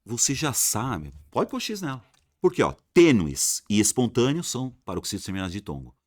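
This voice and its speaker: A man's voice: mid-range voice, very animated, a little fast, no echo, studio quality. A man teaching an exam-prep grammar lesson, repeating rules emphatically and answering imagined student questions.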